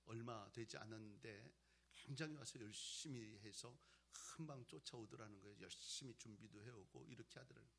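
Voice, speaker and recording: A male pastor preaching a sermon, moving between loud exhortation and quiet, conversational storytelling. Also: fairly low pitch, brisk, creaky, slight background noise.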